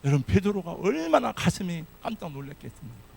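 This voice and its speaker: A man's voice: high-pitched, sing-song, fast talker, vocal fry, a little mellow, slightly rough. A man preaching a sermon as a pastor, telling the story dramatically and acting out the characters' lines.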